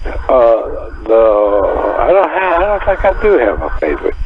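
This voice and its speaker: Noticeable background noise sits under a man talking fairly slowly. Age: 80s+. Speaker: prank call target. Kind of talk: casual phone chat. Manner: halting.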